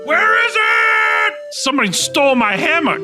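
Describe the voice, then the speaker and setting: Man putting on a shouting, high-strung raging orc. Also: wildly swooping pitch, moderate pace, music in the background, exaggerated voice. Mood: enraged. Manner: shouting, dramatic. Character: raging orc, loud, whiny over a stolen hammock. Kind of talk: amateur comic fantasy skit.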